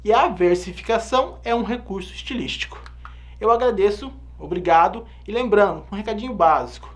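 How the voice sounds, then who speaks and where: A man's voice: high-pitched, a little fast, fairly bright tone. A man with a Brazilian Portuguese accent teaching a recorded lesson, explaining step by step and checking in with the listener.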